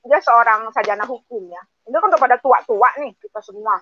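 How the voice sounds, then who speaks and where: A woman in her late fifties telling her personal conversion testimony in an animated storytelling manner, with many fillers and self-corrections. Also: on the high side, fairly quick, highs cut off, a little hiss or hum. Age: late 50s. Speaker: testimony speaker.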